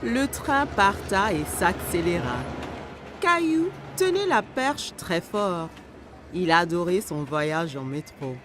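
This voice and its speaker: A woman's voice: fairly low pitch, very animated, slow, music in the background. A woman reading scripted children's story narration as the storyteller of a cartoon.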